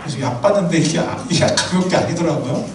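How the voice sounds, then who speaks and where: A male pastor preaching a sermon in a church, animated and humorous, telling personal anecdotes. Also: a little high, fast talker, noisy background. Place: church sanctuary. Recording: echoey hall from far off.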